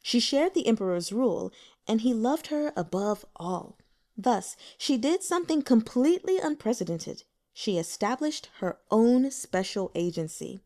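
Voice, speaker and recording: A woman narrating a novel as an audiobook, with an expressive, animated delivery. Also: on the high side, a little slow.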